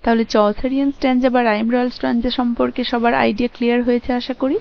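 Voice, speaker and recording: Woman teaching a lesson, kinda high voice, reads slow then explains chatty, dull lo-fi audio. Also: fairly even intonation, vocal fry, clear, resonant tone. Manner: reads English text slowly, then explains it conversationally. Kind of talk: lecture explaining poetry. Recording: dull lo-fi recording.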